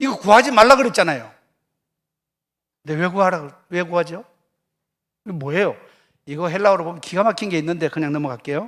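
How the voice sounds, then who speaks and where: Very fast but broken by long, frequent pauses, a man with a high pitch and a slight Chungcheong accent speaks with lively intonation in a very clean recording over a silent background. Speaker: revival preacher. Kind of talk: sermon.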